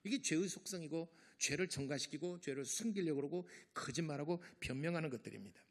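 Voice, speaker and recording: A middle-aged pastor preaches a sermon in a fast, expressive, slightly high male voice. He talks casually to the congregation and acts out the people in his stories, quoting them in character.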